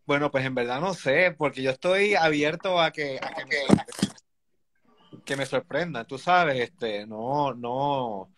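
A man in his forties chatting as a guest on a live video call, speaking in a relaxed, thoughtful way with many fillers. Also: mid-range voice, takes it slowly, background noise. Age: 40s. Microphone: phone camera on a video call.

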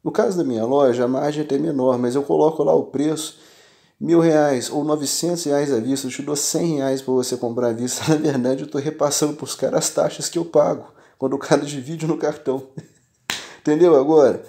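A man's voice: a little high, brisk, creaky. A man with a Brazilian accent talking casually and emphatically to his channel's viewers, often checking that they follow. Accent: Brazilian Portuguese. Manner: animated, emphatic, keeps asking "entendeu?". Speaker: tech channel host and shopkeeper. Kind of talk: casual direct-to-viewer talk.

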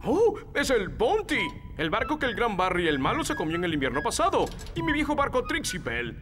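A proud but fretful cartoon elf sailor with a Latin American accent. He speaks emphatically, with extremely wide swoops in pitch, over loud music. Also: huge pitch swings, a little fast, long reverb tail. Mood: wistful. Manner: dramatic, emphatic. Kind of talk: animated cartoon dub.

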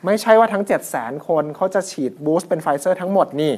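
A man co-hosting a news show, explaining the news in a calm, conversational way. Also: high voice, quick pace.

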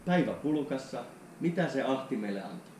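Out on a frozen lake and later at an indoor kitchen table, a man in his thirties chats enthusiastically on camera as the host of a fishing channel. He speaks at medium pitch, very animated and a little mellow, and there's a little hiss or hum.

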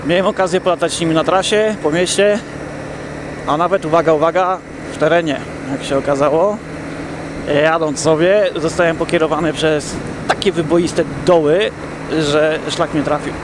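Chatty young man riding a motorbike. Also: on the high side. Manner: relaxed, chatty, addresses viewers directly, drawn-out fillers. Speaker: motovlogger. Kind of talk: casual vlog talk while riding. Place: outdoors on a motorcycle in city traffic. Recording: helmet mic with wind and traffic noise.

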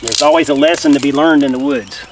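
A man's voice: mid-range voice, fast talker. A man in his forties, a bushcraft host, casually explaining what he does while he works at a forest campsite. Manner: relaxed, talks while working with hands. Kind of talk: casual outdoor instruction. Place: outdoors in a forest camp. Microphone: camera a few feet away. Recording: voice a bit distant with faint outdoor noise.

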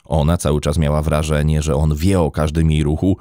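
Man, very low voice, dark tone, dry close recording, measured true-crime narration. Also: flat delivery, dry recording. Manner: measured storytelling delivery.

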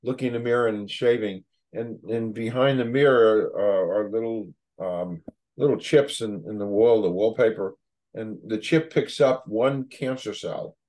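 A man's voice: on the low side, measured pace, a little mellow, rough recording. An older man hosting a casual interview, rambling and emphatic, repeating words as he goes, on a video call from a home office. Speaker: show host.

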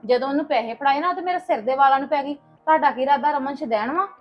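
A woman playing a loud scolding village mother. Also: high-pitched, highs cut off, faint music behind, lightly acted. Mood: indignant. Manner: rapid scolding rant, loud. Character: sharp-tongued village mother, scolding and complaining. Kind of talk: family comedy-drama skit.

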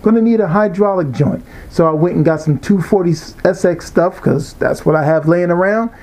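A man's voice: high voice, normal speed, darkish tone. A man casually talking through his car restoration work in a garage and a junkyard, in a laid-back, slangy, rambling way, on a body-worn camera. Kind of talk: casual how-to commentary. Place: garage workshop and outdoor junkyard.

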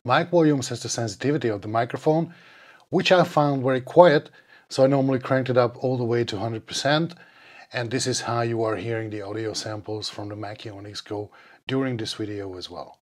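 A man's voice: mid-range voice, steady tone, brisk. A man in his forties giving a scripted, matter-of-fact review of a wireless microphone, recorded on a clip-on mic in a small dim studio. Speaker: podcast gear reviewer.

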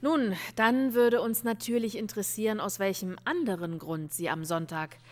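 A woman acting a no-nonsense police detective in a crime audio play. She questions insistently, with pointed sarcasm. Her medium-pitched voice carries long reverb. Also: moderate pace, natural voice. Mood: businesslike, probing. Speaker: police investigator. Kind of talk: crime radio drama acting.

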